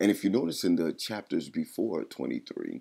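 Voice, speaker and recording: The background stays quiet while a man talks. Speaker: Bible teacher. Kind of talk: devotional teaching. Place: home room. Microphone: webcam.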